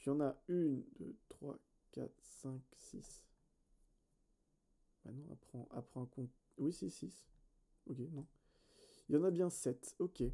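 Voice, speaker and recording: Male let's play host, deep mellow tone, casual, hesitant self-correcting commentary. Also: gravelly, slightly rough. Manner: chatty, addresses viewers directly.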